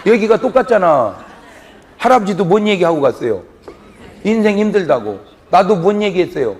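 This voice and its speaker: Lively male pastor in a reverberant hall. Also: sits high, moderate pace, slight background noise. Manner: lively storytelling, swings between loud emphasis and quiet asides; asks the congregation questions. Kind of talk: sermon.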